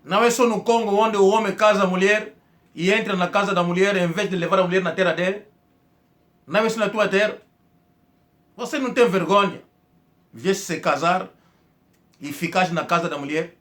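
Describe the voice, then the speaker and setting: Man, high-pitched, fiery accusatory monologue with stumbling repeats. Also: normal speed, long pauses, fairly bright tone. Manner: emphatic, accusatory, repeats words when stumbling. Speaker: political commentator. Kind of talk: impassioned political monologue.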